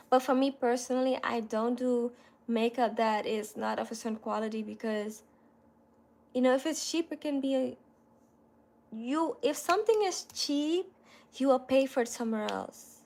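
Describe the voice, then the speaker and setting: A woman in her thirties chatting casually with viewers in a relaxed, talkative way, often saying "you know" and "like". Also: fairly high pitch. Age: 30s. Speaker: content creator. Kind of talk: casual livestream chat answering viewers.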